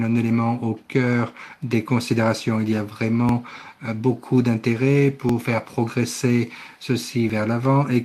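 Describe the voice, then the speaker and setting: Guy doing live conference interpreting, pretty flat tone, stops and fixes his words as he goes. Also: mid-range voice. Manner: halting delivery with self-corrections. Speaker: simultaneous interpreter.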